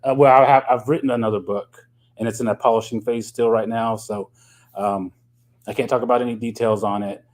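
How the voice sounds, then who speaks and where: A man's voice: medium pitch, steady tone, fairly quick, darkish tone. A middle-aged man from Oklahoma, a novelist, talking loosely and thoughtfully in a radio interview, with many ums and you-knows. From Oklahoma, USA. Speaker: novelist guest.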